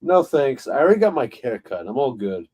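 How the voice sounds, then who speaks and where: A man's voice: mid-range voice, sing-song, fairly quick, mellow. A man with a New York accent joining a live fan stream from home, talking in an easygoing way with lots of fillers. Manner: easygoing, storytelling, filler-heavy. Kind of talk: casual fan chat. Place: home, on a video call.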